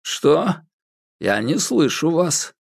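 A man's voice: a little high, very animated, very slow, vocal fry, breathy edge, dry recording, voice pushed up, heavily acted. Guy doing a cold impatient rich man, curt, dry close sound.

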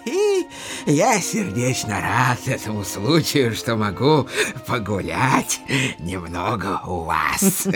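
Sly pompous deacon, wildly swooping voice. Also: male voice, lowish voice, huge pitch swings, a bit bright, soft background music, exaggerated voice. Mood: smug, flirtatious. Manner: halting, pompous, exclamatory delivery. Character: sly, smug, cowardly village deacon courting a woman. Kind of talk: theatrical audio drama acting.

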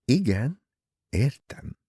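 A man reading aloud, voicing a calm, shrewd older detective who speaks quietly and thoughtfully. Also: medium pitch, husky, dry recording, clean studio sound. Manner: quiet, measured and musing.

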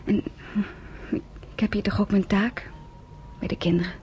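Karen is a young Jewish survivor telling her story in a radio play, quiet and resolute, as voiced by a woman, at an even middle pitch. Her voice is low-key and soft, slipping near a whisper, with a faint hiss under the recording. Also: moderate pace, dull audio, natural voice. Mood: subdued, grave. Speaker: narrator of her own story.

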